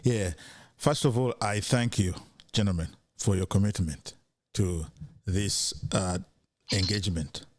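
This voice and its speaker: A man's voice: low-pitched, a little slow, no room sound. A man speaking formally and hesitantly as a guest panelist joining over a video call. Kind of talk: panel discussion.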